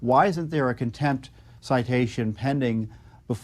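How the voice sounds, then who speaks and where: A man with an American accent speaking off the cuff as a political commentator, measured and halting, making pointed arguments. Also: mid-range voice.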